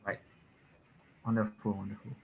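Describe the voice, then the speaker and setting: A man's voice: on the low side, flat delivery, moderate pace, gravelly, breathy edge, phone-quality sound. A man moderating a competition's judging panel over a video call, upbeat and encouraging.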